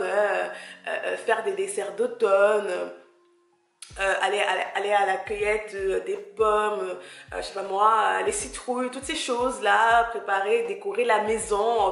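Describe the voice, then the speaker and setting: A woman's voice: mid-range voice, fairly even intonation, moderate pace, creaky, reverberant. A woman from Cameroon, chatting casually and encouragingly to her listener as a podcast host, searching for words as she goes. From grew up in Cameroon, living in France. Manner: conversational, hesitant searching for words, addresses listener directly. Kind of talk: casual solo podcast talk, encouraging advice.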